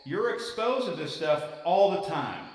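Folksy youth pastor, echoing hall. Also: male voice, fairly high pitch, expressive, unhurried. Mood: teasing, preaching. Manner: chummy, rhetorical, self-deprecating. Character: folksy youth pastor preaching at a church camp. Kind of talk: casual, joking sermon to a crowd. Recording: echoey large hall, distant from microphone.

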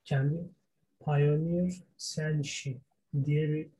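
Male co-host, very mellow and husky, chatting casually in imperfect Turkish, hunting for words, dropping in English. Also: a little high, steady tone, takes it slowly. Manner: self-described poor Turkish, gropes for Turkish words, mixes in English terms. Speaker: podcast co-host. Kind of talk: casual wrestling history discussion.

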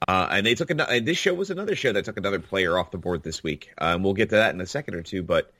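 A man's voice: sits low, lively intonation, quick pace, bright, forceful tone, breathy edge, no echo. A man co-hosting a podcast, chatting casually and enthusiastically about TV episodes, with lots of fillers. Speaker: podcast co-host. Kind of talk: casual TV review chat.

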